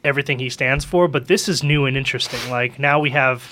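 Male podcast host, bright tone, enthusiastic casual delivery. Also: medium pitch, fast, a little hiss or hum. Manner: enthusiastic, leans on "like" and "kind of". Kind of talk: casual chat.

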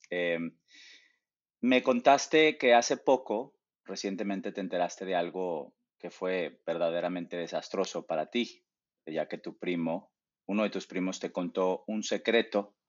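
Deep-voiced man hosting a podcast, lo-fi. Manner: hesitant, fills pauses with "eh". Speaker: podcast host. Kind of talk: podcast interview. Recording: dull lo-fi with faint music.

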